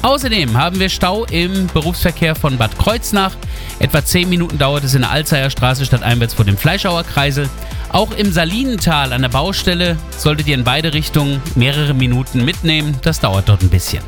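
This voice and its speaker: A chatty man presenting traffic and weather on local radio, his voice rising and falling a lot. He sits a little higher than most men and talks straight to the listeners. A music bed plays clearly under him. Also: animated, a little fast. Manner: chatty, addresses listeners directly. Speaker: radio host. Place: radio studio. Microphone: studio microphone. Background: music bed under the talk.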